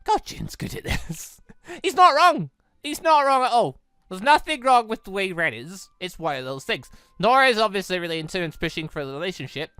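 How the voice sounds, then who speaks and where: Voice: medium pitch, moderate pace, clean tone, no echo. A gaming channel host giving casual, rambling playthrough commentary on a visual novel, exclaiming and reading bits of dialogue aloud. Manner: animated, exclaiming, rambling asides.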